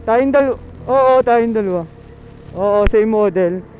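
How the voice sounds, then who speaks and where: High-voiced Filipino man vlogging over traffic noise. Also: slow pace. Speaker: motorcycle vlogger. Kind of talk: casual chatty vlog while riding. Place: outdoors on a motorcycle in traffic. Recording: dull lo-fi, loud traffic and engine noise.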